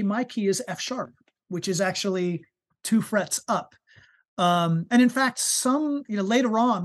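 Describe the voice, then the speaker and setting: A man with a high voice, a musician telling stories in a casual interview, animated and full of fillers and restarts. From United States. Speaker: musician guest.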